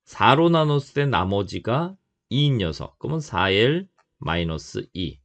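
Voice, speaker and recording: A male math teacher with a fairly low voice explaining at the board. His pitch rises and falls a lot, and he keeps repeating key phrases and asking whether the class follows. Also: measured pace. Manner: lively, repeats key phrases, checks in with students. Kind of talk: whiteboard math lecture.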